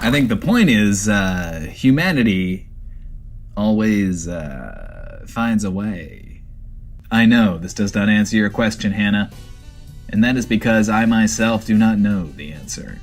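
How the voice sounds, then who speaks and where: A man's voice: on the low side, very animated, measured pace, faint music behind, heavily acted. A man playing a flirty, self-admiring host of a post-apocalyptic radio show, theatrical and rambling, in a comedic audio drama.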